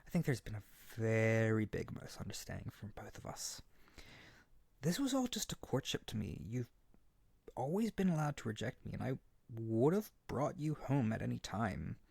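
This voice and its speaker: A man playing an earnest, lovesick young harpy bird-boy in a roleplay audio drama, gentle and insecure, speaking tenderly with hesitant stammers. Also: fairly low pitch, big pitch swings, normal speed, creaky, breathy edge, no echo, full character voice. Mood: hurt, pleading. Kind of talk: roleplay audio drama spoken intimately to the listener.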